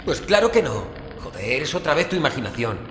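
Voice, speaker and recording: An actor playing a skeptical, impatient paranormal investigator in a horror audio drama. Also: male voice, mid-range voice, big pitch swings, fairly quick, close to an everyday voice. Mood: irritated. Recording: echoey, reverberant, background ambience noise.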